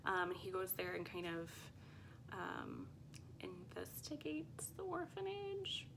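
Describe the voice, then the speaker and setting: A woman's voice: on the low side, very animated, slow, gravelly, background noise. A woman book vlogger talking casually to viewers in a chatty, rambling and often unsure way.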